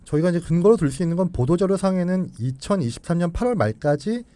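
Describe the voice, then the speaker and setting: A man, a financial expert guest on a radio show, explaining insurance changes quickly. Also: high voice, lively intonation, dark tone, no echo. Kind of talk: radio advice talk. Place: radio studio.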